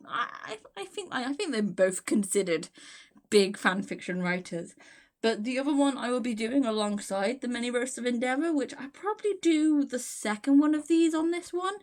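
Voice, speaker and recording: A woman's voice: on the high side, animated, normal speed, a little mellow. A woman host casually reading aloud and chatting about it, gushing and giggly, often stumbling over her words. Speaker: host of a fan fiction reading series. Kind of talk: casual rambling chat and read-aloud with reactions.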